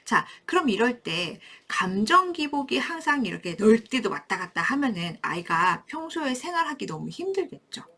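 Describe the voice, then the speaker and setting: A woman giving a parenting lecture to camera, explaining things warmly and acting out short quotes from parents and children. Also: a little high, very animated, moderate pace, few pauses, breathy edge. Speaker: parenting educator. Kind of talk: talking-head parenting lecture.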